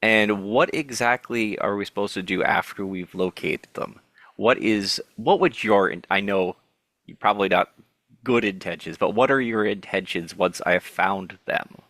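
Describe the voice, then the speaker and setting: A man playing a tabletop game, thinking aloud with halting restarts. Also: fairly low pitch, a bit bright, no room sound. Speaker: player. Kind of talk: casual tabletop role-play.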